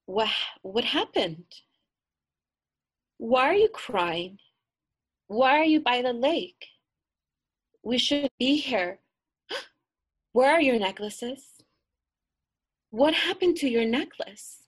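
A woman's voice: sits high, extremely slow, pauses often, voice pushed up, heavily acted. A woman voicing a naive young village girl who asks breathless, pleading questions in a storytelling. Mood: alarmed.

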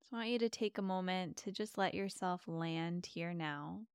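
A woman guiding a meditation softly and soothingly, giving gentle, slow, spacious instructions as a host. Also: fairly low pitch, clean tone, no room sound, studio quality. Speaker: meditation podcast host and guide. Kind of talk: soft, soothing guided meditation.

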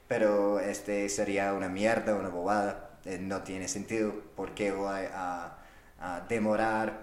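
A man with a fairly low voice talks slowly and haltingly in a foreign, English-speaker's accent. He is hosting an unscripted solo podcast, searching for words as he goes. The sound is roomy and echoing. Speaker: podcast host.

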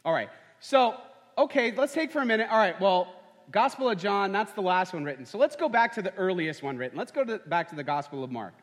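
A man's voice: high voice, lively intonation, fairly quick. A man preaching a sermon as pastor, conversational and full of rhetorical questions. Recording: long hall reverb.

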